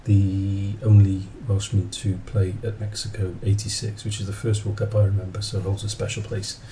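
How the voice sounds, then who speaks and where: A man's voice: sits low, level tone, normal speed, warm tone, a little hiss or hum, rough recording. A man in his forties hosting a podcast in a casual, rambling way, often correcting himself as he goes. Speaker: podcast host. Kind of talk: casual chat, podcast introduction.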